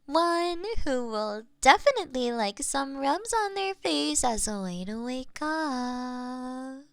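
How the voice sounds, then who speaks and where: A doting female pet owner acted by a woman coos in a high, very swoopy voice. She coaxes and teases playfully, as in baby talk to a cat. It is an intimate, close-miked ASMR roleplay, spoken at a very leisurely pace. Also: animated, slow pace, creaky, fairly bright tone, smooth, no echo, exaggerated voice. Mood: tender, coaxing. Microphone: binaural microphone, close.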